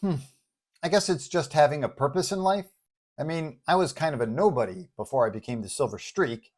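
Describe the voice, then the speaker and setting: A man's voice: a little high, lively intonation, brisk, a little mellow. A man voicing a confident, well-meaning superhero who talks in a breezy, colloquial way in an audio story. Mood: earnest, casual.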